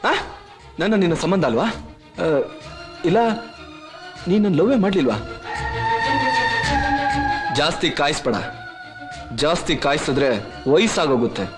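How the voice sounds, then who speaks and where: A man's voice: a little high, expressive, unhurried, pauses often, over music. A man playing a brash young rowdy who teases and threatens the woman he loves, repeating his words and swinging to sudden threats. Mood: taunting. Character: brash young male rowdy, menacing lover. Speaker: lead actor in a feature film. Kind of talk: dramatic film acting. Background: film score.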